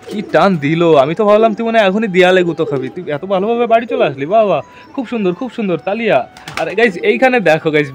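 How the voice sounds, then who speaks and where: A man's voice: on the high side, slight background noise. A man in a casual vlog, chatting to his viewers about his pet pigeons from a rooftop and coaxing the birds as he goes. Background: pigeons cooing.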